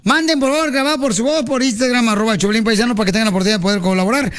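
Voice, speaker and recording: A man's voice: very high voice, rapid-fire, a bit bright. A Mexican man hosting a radio comedy segment, joking and laughing with his co-hosts. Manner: playful, laughing, teasing.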